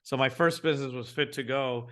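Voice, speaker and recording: A man, telling his business story as a guest in a casual interview, animated and often restarting his sentences. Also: medium pitch, brisk. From Venezuela. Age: 40s. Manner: animated, frequent restarts, acts out his own thoughts. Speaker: guest entrepreneur.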